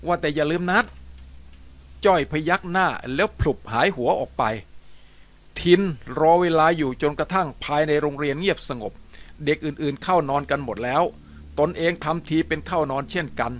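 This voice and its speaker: A man's voice: a little high, normal speed. A man steadily and expressively reading a novel aloud as a storyteller. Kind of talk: audiobook narration of a novel. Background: faint music.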